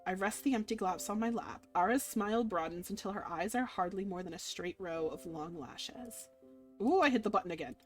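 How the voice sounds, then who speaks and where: A woman's voice: mid-range voice, fairly quick. A woman reading visual novel narration aloud as a streamer, telling it expressively and gushing over the characters. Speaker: video game streamer doing a playthrough. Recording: music behind the voice. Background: game music.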